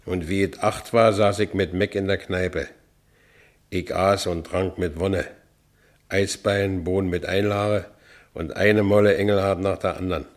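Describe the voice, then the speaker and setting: A man's voice: deep voice, fairly even intonation, unhurried. An actor playing a burly, plain-spoken Berlin working man, an ex-convict narrating his own story in a radio play in short colloquial phrases. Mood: plain recounting.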